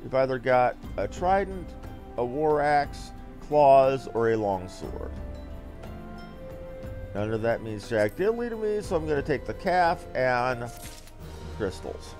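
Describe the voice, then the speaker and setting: A man's voice: medium pitch, very animated, slow pace, pauses often, music in the background. A man giving casual live game commentary as a streamer, rambling and blunt with some mild swearing. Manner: rambling, blunt, mildly profane.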